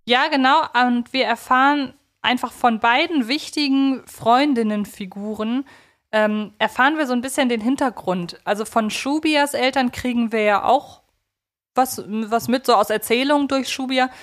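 A woman's voice: fairly high pitch, moderate pace. Reflective woman chatting on a podcast. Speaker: podcast co-host. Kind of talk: casual conversational podcast discussion.

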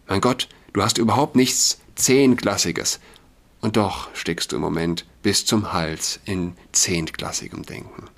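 A man voicing a sharp-tongued young man lecturing his sister in an emphatic, impatient way, reading a novel aloud. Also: sits low, steady tone, measured pace.

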